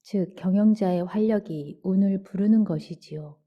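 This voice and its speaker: A woman reading a book aloud as a calm bedtime narration, in a soft, gentle voice that sometimes drops close to a whisper. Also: medium pitch, normal speed. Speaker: audiobook narrator. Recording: dull lo-fi audio.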